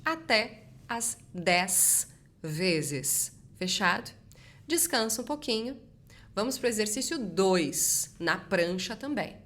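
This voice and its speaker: A woman speech therapist teaching a voice exercise lesson in an energetic, direct coaching manner. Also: on the high side.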